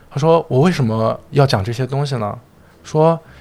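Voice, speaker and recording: A man's somewhat breathy, fairly high-pitched voice at a moderate pace. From Hunan and Xinjiang, China (moved often). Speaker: podcast guest telling life stories. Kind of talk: casual chat.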